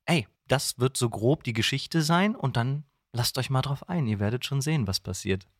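A man's voice: medium pitch, lively intonation, moderate pace, no echo, studio quality. A man, a voice actor as podcast guest, explaining things in casual, agreeable interview chat.

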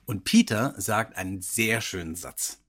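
A man with a husky voice moderating a casual podcast conversation as host. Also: fairly low pitch, measured pace, a bit bright, slight background noise.

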